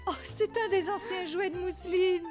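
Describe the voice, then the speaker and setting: A woman playing a kind, amused cartoon mother who speaks attentively and explains gently. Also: extremely high pitch, fairly even intonation, moderate pace, music in the background. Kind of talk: cartoon dubbing.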